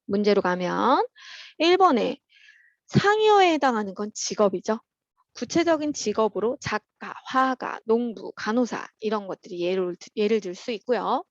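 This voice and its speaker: A woman teaching at a private academy, patiently walking children through workbook answers in a chatty way, with frequent soft "um" pauses. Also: mid-range voice, expressive, dry recording, muffled recording. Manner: patient and chatty, opens steps with "자" and fills pauses with "어".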